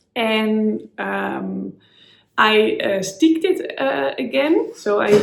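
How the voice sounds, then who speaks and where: A woman speaks with a Dutch accent. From Netherlands. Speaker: knitting podcaster. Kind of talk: casual vlog chat. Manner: halting, many fillers.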